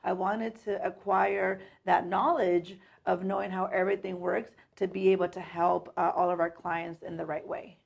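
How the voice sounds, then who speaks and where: A woman's voice: on the low side, flat delivery, normal speed, gravelly, hardly any pauses, slightly rough. A woman from San Jose, California, a mortgage loan officer co-hosting a casual podcast, speaking in a friendly, earnest way. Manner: friendly, earnest, uses "um" often.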